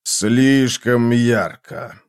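A tormented phantom in flames performed by a male narrator speaks in a hoarse, insistent voice. The words come out very slowly and anguished, in an audiobook style. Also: mid-range voice. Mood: pained. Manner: drawn-out, anguished, insistent exclamations. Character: eerie burning apparition of a tormented, laughing man.

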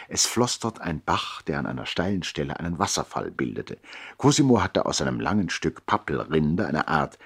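A reflective man telling his brother's life story in a radio drama. The voice is very low and somewhat husky. The delivery is measured and literary, with wide, expressive swings in intonation. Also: heavily acted. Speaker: narrator. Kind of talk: literary radio play narration.

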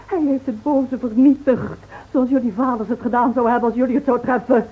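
An actress playing a grieving, devoted middle-aged village wife in a Dutch radio drama, speaking in a solemn, measured, pleading way. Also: female voice, fairly high pitch, fairly even intonation, husky. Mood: urgent pleading. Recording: tinny, narrow-band old radio recording.

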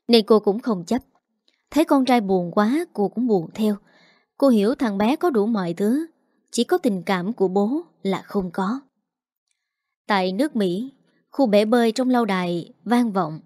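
A woman reading a dramatic story aloud, narrating in a steady scripted style and voicing every character herself. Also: mid-range voice, no room sound, clean studio sound.

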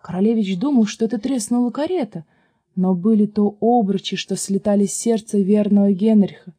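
A woman reading a fairy tale aloud in a calm, measured way. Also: mid-range voice, husky, dry recording. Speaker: storyteller.

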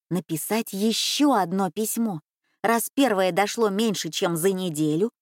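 A woman narrating a children's story, reading in an unhurried, expressive way. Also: medium pitch, no echo, clean studio sound.

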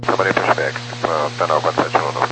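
A Brazilian man speaking as a pilot, reading back clearances in clipped phrases over an aviation radio. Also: very deep voice, brisk, over music. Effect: aviation radio transmission. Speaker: airline pilot. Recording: noisy, humming cockpit radio transmission. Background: radio hum and noise.

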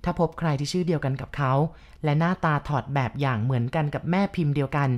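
A woman reading a novel aloud, voicing a gentle, lonely man in his forties who speaks slowly and calmly. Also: low voice, close to an everyday voice. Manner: slow, calm, subdued.

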